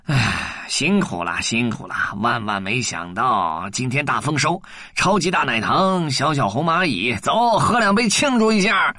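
A man voicing a bossy black ant leader who barks orders in a slow, heavy way. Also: medium pitch, very animated, pushed and bright, no echo, studio quality, full character voice.

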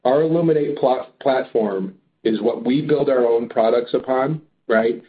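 A man answering as a company executive on an earnings call, halting but upbeat and emphatic. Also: mid-range voice. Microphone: phone or conference call line. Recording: muffled narrow phone line.

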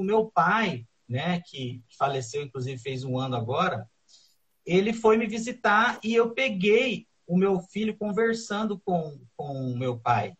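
A man in his thirties, an interview guest telling a personal story in a halting way with many fillers and restarts. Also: sits high, breathy edge, muffled recording. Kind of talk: conversational storytelling.

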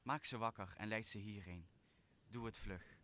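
A student actor playing a solemn, wronged sorcerer who turns to forgiveness in a Shakespearean radio play, with deliberate, declamatory delivery. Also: male voice, lowish voice, pushed and bright, slight background noise. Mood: gentle, commanding.

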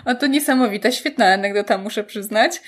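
A woman's voice: mid-range voice, fairly quick, breathy edge. A woman hosting a discussion and asking a guest questions politely and formally. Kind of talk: interview questions.

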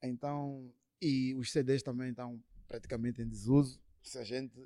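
A man speaking as a musician guest in a casual interview, haltingly, repeating phrases and dropping in English slang. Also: medium pitch, little pitch movement, dark tone.

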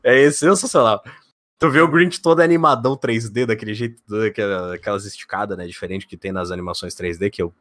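A young man from Brazil, a podcast guest and video editor, talking in a fast, excitable way full of slang. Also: lowish voice, no echo, clean studio sound. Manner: excitable and talkative, heavy slang. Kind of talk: casual podcast chat.

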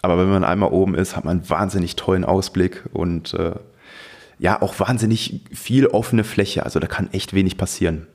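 A man's voice: low-pitched, steady tone, a little fast, a little mellow. A man co-hosting a podcast in informal, colloquial chat. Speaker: podcast co-host.

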